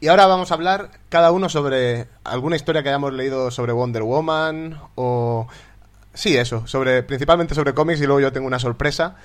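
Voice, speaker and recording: A man's voice: mid-range voice, a little fast. A man hosting a podcast, introducing the next segment in an easygoing way. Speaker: podcast host.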